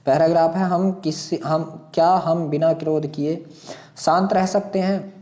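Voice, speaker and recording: Guy doing exam coaching, mellow relaxed voice, reads out questions n passages, repeats stuff and asks students the answer. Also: a little high, measured pace. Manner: instructive, repeats phrases, poses questions to students. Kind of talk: exam lesson, reading questions and passages aloud.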